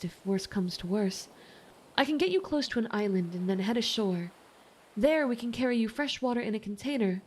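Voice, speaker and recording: A woman voicing a kind, worried mermaid in an ASMR roleplay, speaking in a gentle, earnest, slightly hesitant way. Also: fairly high pitch, slightly rough. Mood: eager, practical. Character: kind, worried female mermaid rescuing a shipwrecked sailor.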